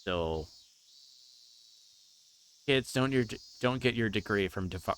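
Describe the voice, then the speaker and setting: A man livestreaming a visual novel, reading story text aloud and adding halting, informal asides. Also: fairly low pitch, animated, a bit bright. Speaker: streamer playing a visual novel. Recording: clear background noise, insect-like ambience.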